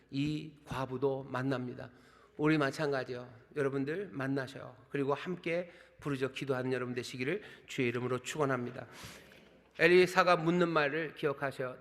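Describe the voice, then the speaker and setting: A man preaching a sermon as pastor, with earnest appeals, quiet asides and quoted lines acted in everyday tones. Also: medium pitch. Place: large church sanctuary. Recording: long reverb of a large sanctuary.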